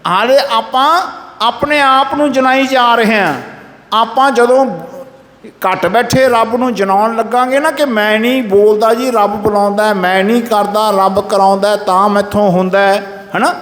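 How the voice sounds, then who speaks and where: A man giving a Sikh sermon to a congregation. He intones scripture slowly and calls on listeners to answer him aloud. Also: high voice, steady tone, fairly bright tone. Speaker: Sikh preacher. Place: gurdwara hall in a village. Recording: echoey hall with long reverb.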